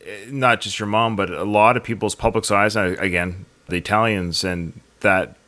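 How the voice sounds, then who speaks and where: A man's voice: fairly low pitch, fairly even intonation, normal speed, pushed and bright. A man hosting a podcast, chatting and joking as he rambles through film history. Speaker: podcast host. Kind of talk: casual podcast chat.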